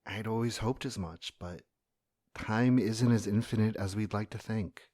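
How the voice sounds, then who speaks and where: An actor in an audio drama playing a weary, dying man who is gentle, loving and resolute, speaking in measured, soft tones. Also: lowish voice, dry recording, clean studio sound. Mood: tender.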